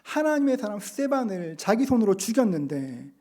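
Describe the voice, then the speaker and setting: Man preaching in a church, mellow tone, earnest, slow scripture readings. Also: high-pitched, sing-song. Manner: earnest, slows to read scripture and act out quotes. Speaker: pastor. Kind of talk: sermon. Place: church sanctuary.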